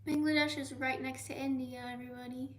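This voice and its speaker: A young American woman hosting a casual livestream, reading viewer comments aloud and often slipping into soft whispers. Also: high voice, flat delivery, fast. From United States. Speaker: livestream host.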